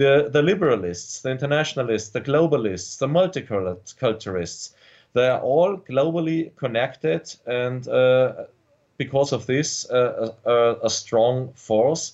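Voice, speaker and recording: With a German accent, a man of medium pitch speaks at a fairly slow pace using lively intonation. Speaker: politician. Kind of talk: interview. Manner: halting, repeating words.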